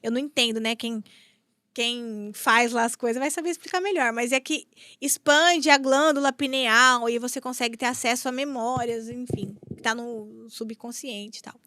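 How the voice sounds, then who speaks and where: A woman's voice: a little high, normal speed, bright, forceful tone, no echo, studio quality. A Brazilian woman in her thirties, a podcast guest telling a personal story with emotion, repeating herself and acting out what people said. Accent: Brazilian Portuguese. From Brazil, São Paulo state. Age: 30s. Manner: emotional, acts out dialogue with repetitions. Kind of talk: storytelling in an interview.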